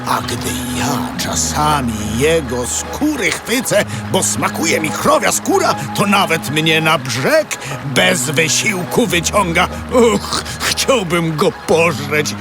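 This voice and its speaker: Big vain storybook dragon: sleepy mumble, grumpy growls, slow drawn-out words, music underneath. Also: male voice, fairly high pitch, big pitch swings, voice pushed up, exaggerated voice. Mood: grudging, boastful. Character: powerful, vain, drowsy male dragon, grumpy but lovesick. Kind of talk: storybook character acting.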